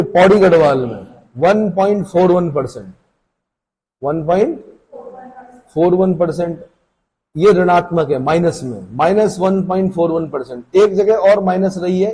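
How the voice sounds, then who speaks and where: A man's voice: sits high, dark tone, slightly rough, poor audio. A man teaching an exam-prep class, lecturing casually and asking questions that he answers himself. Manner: conversational, asks questions and answers them himself.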